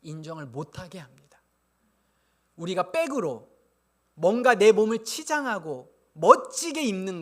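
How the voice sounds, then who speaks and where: A man's voice: sits high, a bit bright. A man preaching a sermon as pastor, acting out quoted inner voices as he goes. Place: church sanctuary.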